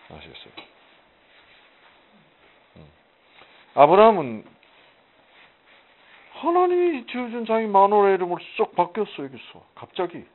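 A man's voice: sits high, huge pitch swings, a little slow, long pauses. Man teaching scripture, tinny phone-like sound. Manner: rhetorical questions answered himself, emphatic. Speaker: Bible teacher. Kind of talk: casual Bible study teaching. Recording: muffled phone-like audio.

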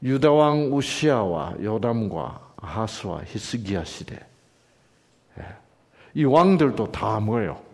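A man's voice: fairly low pitch, very animated, slow pace. A man preaching a sermon, asking the congregation questions and acting out quoted lines in shifting voices. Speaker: pastor.

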